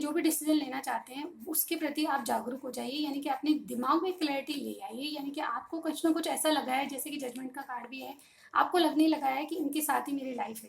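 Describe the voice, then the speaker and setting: Casting note: woman, high voice, relaxed tarot-reader monologue, faint hiss behind. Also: gravelly. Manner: chatty, reassuring, many fillers, mixes English terms into Hindi. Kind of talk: casual tarot reading monologue.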